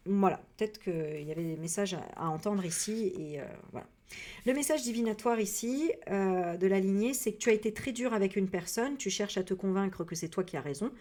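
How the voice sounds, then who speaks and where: A woman from France giving a casual spiritual reading, rambling with many hesitations and frank, animated asides. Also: mid-range voice. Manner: rambling, full of hesitations and fillers. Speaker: psycho-energy practitioner and medium.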